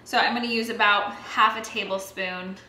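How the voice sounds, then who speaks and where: A woman's voice: medium pitch, fairly even intonation, moderate pace, pushed and bright. An American woman in her thirties chatting casually to camera as she hosts a cooking demonstration, in an informal conversational way. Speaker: fitness vlogger and recipe host. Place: home kitchen, indoors. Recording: roomy kitchen echo, faint background noise.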